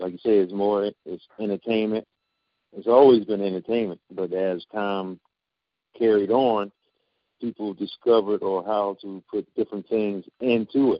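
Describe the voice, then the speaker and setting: A man's fairly low, flat monotone in a Philadelphia accent at a moderate pace. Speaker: retired boxer. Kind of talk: interview.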